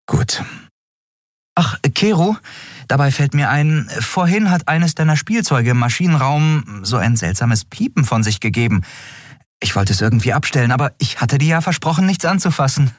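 A man voicing a young woman starship captain in an audiobook, brisk and breezy while she hides her nerves. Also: medium pitch, expressive, dry recording, clean studio sound, pitched above the performer's own voice, close to an everyday voice. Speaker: ship captain.

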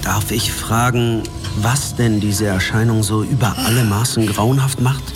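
An actor playing a polite, sceptical investigator in a German audio drama, speaking in a measured, probing way. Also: male voice, fairly low pitch, fairly even intonation, music in the background, natural voice. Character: polite, sceptical male investigator questioning a client.

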